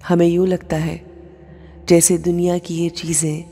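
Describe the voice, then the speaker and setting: A woman with a low, mellow, breathy voice guides a meditation at a very slow, measured pace. She speaks in short phrases with long pauses, in a soft tone wrapped in long reverb. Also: little pitch movement. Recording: long reverb with music bed. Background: music.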